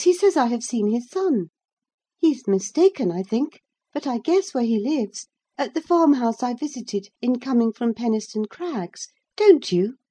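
A woman voicing an excitable young lady, speaking high and pleading. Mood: petulant. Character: lively eager girl, young lady of the manor.

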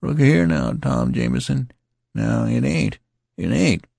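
A man's voice: lowish voice, sing-song, measured pace, gravelly, dark tone, breathy edge, no echo, clean studio sound, voice pushed up, full character voice. A man voicing a dazed, wounded male soldier who rambles in a slurred, folksy country dialect. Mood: pleading. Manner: pleading, repetitive, plaintive.

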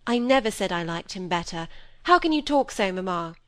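A woman's voice: on the high side, animated, moderate pace, voice pushed up. A woman voicing a proud, impatient young woman who speaks sharply and curtly. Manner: sharp, curt.

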